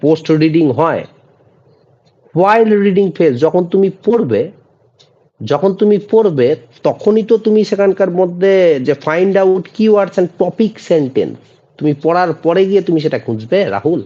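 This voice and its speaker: Man, teacher, from West Bengal, live online exam-prep class, teasing, mellow tone, dull lo-fi sound. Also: high-pitched, lively intonation. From West Bengal, India. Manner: reads English quiz questions slowly, then quizzes quickly in Bengali; teasing, calls on students by name.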